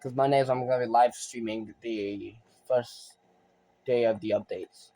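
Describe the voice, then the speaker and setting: A young man talks over his own gameplay in a loose, rambling way. He trails off, restarts, and thinks out loud as he plays. His pitch sits in the ordinary middle range for a man. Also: steady tone, normal speed, dry recording, poor audio. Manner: rambling, thinks aloud, trails off mid-sentence. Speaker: gaming streamer. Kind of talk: casual gameplay commentary.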